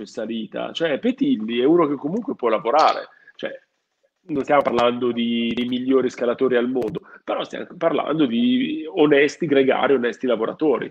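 Over a quiet background, a man talks at a moderate pace. His pitch is fairly high, with ordinary variation. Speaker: co-host. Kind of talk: casual chat, live reaction; live reaction commentary, casual discussion. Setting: phone call. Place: home room. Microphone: video call.

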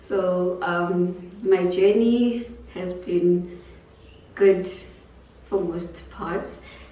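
Speaking at a very slow pace with long, frequent pauses, a woman keeps a monotone, flat intonation in a room with audible echo. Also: medium pitch for a woman. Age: 30s. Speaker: primary school teacher; teacher. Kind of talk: interview testimony. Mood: warm, smiling. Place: studio.

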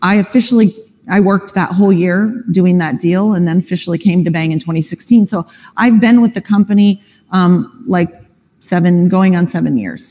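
At a moderate pace, a woman speaks in a dark, mellow, somewhat breathy tone with ordinary pitch variation. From Montana. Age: 50s. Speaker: cannabis company CEO. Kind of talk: onstage conference interview. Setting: stage with audience. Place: stage. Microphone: lapel.

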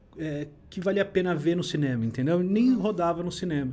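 This man has a high pitch and a dark, mellow tone. His intonation is lively. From Brazil. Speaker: podcast host. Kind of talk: casual chat. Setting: studio. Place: studio. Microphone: studio mic.

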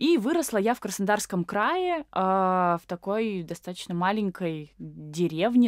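A woman's normal speaking voice at medium pitch, lively in intonation, with a dry, close sound with no echo and a very clean recording against a silent background. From southern Russia (Krasnodar Krai, Kuban). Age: 20s. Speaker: communications agency co-founder. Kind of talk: casual interview chat.

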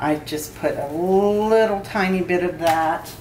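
Light background noise and audible room echo surround a woman whose fairly low voice has ordinary pitch variation. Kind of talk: cooking tutorial. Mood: warm, playful. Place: kitchen. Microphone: camera far.

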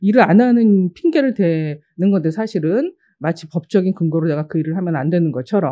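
A woman talks against a quiet background. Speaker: researcher presenting at a conference; conference presenter. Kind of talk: conference presentation. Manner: hesitant, many fillers; rushed. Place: hall. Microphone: podium.

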